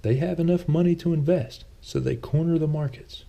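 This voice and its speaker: A man's voice: on the high side, fairly quick, creaky, dark tone, pitched above the performer's own voice. A man voicing a friendly, well-off jeweler who used to be a swordsman, explaining things affably and a little defensively in a fantasy audiobook. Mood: earnest, explaining.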